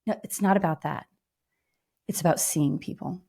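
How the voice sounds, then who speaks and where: Low-voiced woman in reflective conversation. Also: moderate pace, gravelly, a little mellow, breathy edge. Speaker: podcast co-host.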